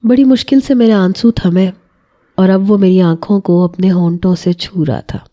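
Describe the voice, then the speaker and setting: Woman narrating a romance, very dark tone. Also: mid-range voice, steady tone, lo-fi sound. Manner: emotional, measured storytelling. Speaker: storyteller. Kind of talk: scripted first-person narration of a romance story.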